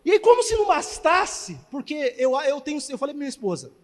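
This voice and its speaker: A man preaching as pastor, telling a testimony with animated storytelling and emphatic exhortation. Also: very high-pitched, a little fast. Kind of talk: sermon with testimony. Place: church hall. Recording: church hall reverb.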